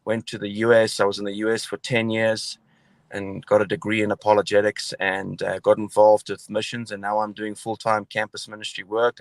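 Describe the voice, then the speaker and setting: A man's voice: lowish voice, dry recording. A middle-aged man from Zimbabwe with a South African accent, telling his story as a radio guest over a video call, with many hesitations. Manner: hesitant, many fillers and restarts.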